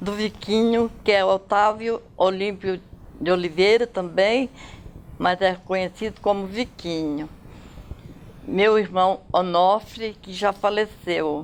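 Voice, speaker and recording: Very slowly, a woman speaks at a medium pitch with fairly even intonation. Long, frequent pauses break up her speech. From Brazil, Minas Gerais (Divinópolis area). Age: 80s+. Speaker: retired shop worker. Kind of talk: interview.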